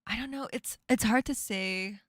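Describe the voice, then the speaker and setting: A woman's voice: on the high side, moderate pace, no echo, studio quality. A woman with an Asian American accent, hosting a casual chat with guests and laughing often. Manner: giggly, laughs often, lively and playful. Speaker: streamer host.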